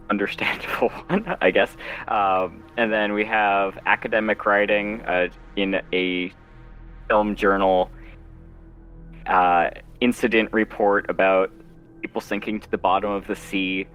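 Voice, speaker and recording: Hesitant, low-voiced man in casual interview. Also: fairly bright tone, clear, resonant tone, poor audio. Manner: hesitant, halting, self-deprecating. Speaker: guest author and zine editor.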